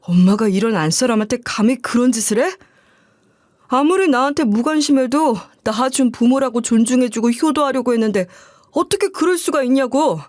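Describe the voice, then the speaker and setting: An angry, loyal husband in a dramatized life story, laying into his mother with heated scolding, voiced by a woman narrator. The voice sits somewhat high, close and dry. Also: animated, brisk, a little mellow, no room sound, natural voice. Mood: furious.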